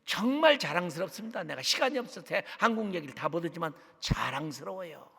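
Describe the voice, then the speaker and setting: Man preaching, high gravelly voice, fervent, hushed to shouting, long church reverb. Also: lively intonation, a little fast. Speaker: guest missionary preacher. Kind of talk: sermon. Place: church sanctuary.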